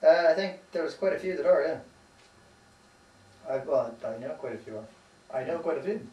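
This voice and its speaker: The interviewee, an American man from the United States, has a fairly high, animated, mellow voice and talks at normal speed, though the audio is dull. Chatting casually about his life, he rambles, hesitates, trails off often, and swears casually. Expect roomy echo, a distant mic, and faint noise.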